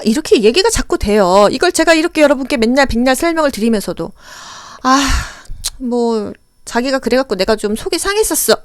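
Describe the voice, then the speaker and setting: A woman's voice: sits high, fairly bright tone, dry recording. A woman giving an exam-prep lecture for care workers, acting out short dialogues and sound effects to make her points. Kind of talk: audio lecture with acted examples.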